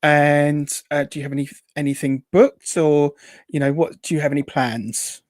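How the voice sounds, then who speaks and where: A man's voice: on the high side, level tone, normal speed, dry recording, clean studio sound. A man hosting a casual interview, hesitant and rambling, who says w for r. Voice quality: weak r sounds, says w for r. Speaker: host.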